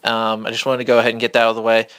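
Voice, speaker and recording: A man giving a casual, off-the-cuff game tutorial, speaking quietly but clearly, close to a phone mic. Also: mid-range voice, monotone, rapid-fire, dry recording. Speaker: gamer hosting a beginner's tutorial. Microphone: phone held a couple of inches from the mouth.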